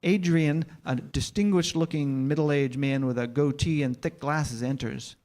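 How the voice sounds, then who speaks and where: Higher-pitched man reading stage directions. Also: moderate pace, darkish tone. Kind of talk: scripted narration at a staged reading.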